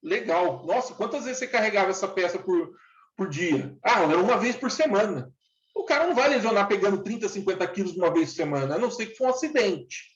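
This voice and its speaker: A man's voice: high voice, lively intonation, fast talker. Man, 40s, interviewee; plain-spoken and earnest, dull lo-fi recording. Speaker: interviewee, former factory worker. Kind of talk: casual interview talk. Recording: echoey room, dull lo-fi sound.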